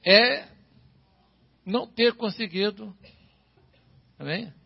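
A man's voice: high-pitched, slow, creaky, breathy edge, highs cut off. A man preaching a sermon as pastor, asking his listeners the same questions again and again. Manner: preaching with repeated rhetorical questions.

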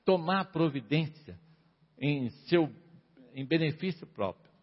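A man preaching a sermon to a congregation, reading scripture and explaining it with sharp rises and drops and frequent calls for amen. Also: fairly high pitch, animated, slow pace, breathy edge. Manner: emphatic, rises and falls sharply, asks the congregation for amens. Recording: dull lo-fi sound with long hall reverb.

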